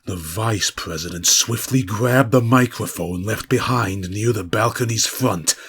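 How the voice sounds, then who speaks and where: A man's voice: fairly low pitch, unhurried, fairly bright tone, husky. A man narrating a comic story in a dramatic, grandiose, mock-epic manner.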